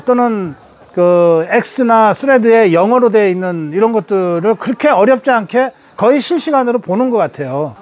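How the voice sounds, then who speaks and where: High-pitched emphatic older man lecturing. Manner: emphatic, rhetorical, colloquial asides. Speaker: political commentator and lecturer. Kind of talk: political lecture, answering audience questions.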